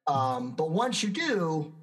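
A man's voice: fairly high pitch, very animated, slow pace, poor audio. A man in his fifties, a fitness expert guest answering interview questions in an emphatic, self-assured, lecturing way. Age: 50s.

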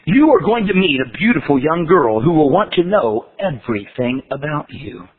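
A man doing a deadpan psychic advisor. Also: on the high side, moderate pace, slightly rough, voice pushed down. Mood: matter-of-fact. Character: calm psychic advisor on a hotline. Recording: tinny phone-like sound.

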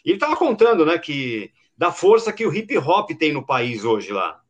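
A man talks through a podcast episode in loose, rambling chat. His voice sits a little high for a man and swings widely up and down as he tells the story, packed with fillers and street slang. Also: sing-song, moderate pace, lo-fi sound. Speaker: podcast host.

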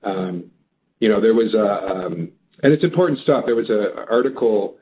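A man answering as a company executive on an earnings call, halting but upbeat and emphatic. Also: lowish voice, lively intonation, a little hiss or hum. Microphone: phone or conference call line. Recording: muffled narrow phone line.

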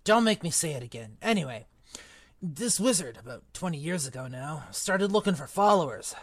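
A man playing a big gruff, emotional giant in an audiobook, with rustic colloquial speech and dropped consonants. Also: on the high side, lively intonation, normal speed, a bit bright, dry recording. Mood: uneasy, grave. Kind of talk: audiobook character acting.

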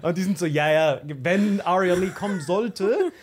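Young male podcast co-host, animated slangy storyteller, slightly high voice. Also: unhurried, background noise. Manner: animated storytelling, acts out quoted people, slangy. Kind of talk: casual podcast chat.

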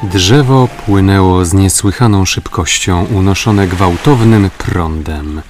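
A man reading a classic adventure novel aloud in measured, even audiobook narration. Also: sits low, no room sound. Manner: measured, even storytelling with lifted voice for exclamations. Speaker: audiobook reader.

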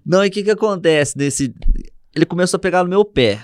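A male guest in a casual chat, telling stories in a relaxed, rambling way. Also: high-pitched, fast talker, a crowd in the background.

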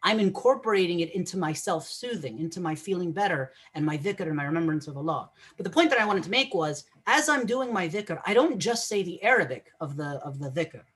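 Husky-voiced man explaining earnestly. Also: high-pitched, animated, a little fast, hardly any pauses, fairly bright tone. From Egyptian family, raised English-speaking. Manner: earnest, explanatory, repeats words while thinking. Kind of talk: podcast interview.

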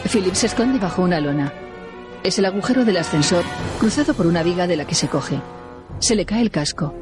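Man narrating audio description. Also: sits high. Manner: plain, measured, neutral.

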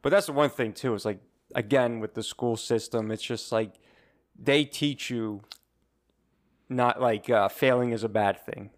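A man chatting casually as a podcast co-host, halting and conversational as he thinks out loud. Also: medium pitch. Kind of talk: casual chat.

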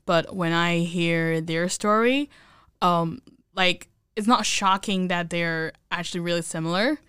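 Hesitant young woman with a very clear voice. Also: lowish voice, a little slow, fairly bright tone, dry recording, studio quality. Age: young adult. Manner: hesitant, many fillers. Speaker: guest, protest volunteer. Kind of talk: casual interview.

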